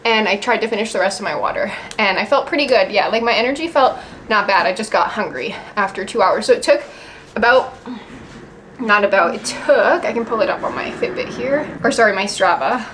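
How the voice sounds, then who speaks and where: A woman's voice: mid-range voice, lively intonation, brisk, a bit bright. A woman chatting casually to the camera as a vlogger, indoors at home. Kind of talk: casual vlog chat. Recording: light ambient background noise.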